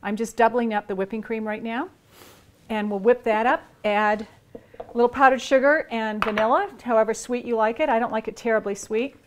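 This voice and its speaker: A woman's voice: on the high side, a little fast, background noise. A woman in her sixties hosting a cooking demonstration in a large home kitchen, chatting casually as she works with her hands. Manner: relaxed and chatty, talking while working with her hands. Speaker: cooking show host.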